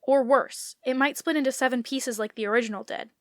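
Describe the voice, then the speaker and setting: A sensible young sidekick acted by a woman in an audio comedy. She is sceptical and matter-of-fact, speaking in a very high voice. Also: steady tone, brisk, natural voice. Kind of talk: audio fiction comedy acting.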